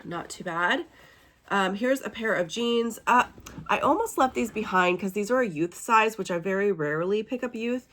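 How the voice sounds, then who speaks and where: A woman in her thirties with a hoarse, raspy voice, chatting casually as a vlogger showing a thrift haul. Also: medium pitch, expressive, moderate pace, fairly bright tone. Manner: chatty, with fillers and small laughs. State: hoarse from illness. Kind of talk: casual chat.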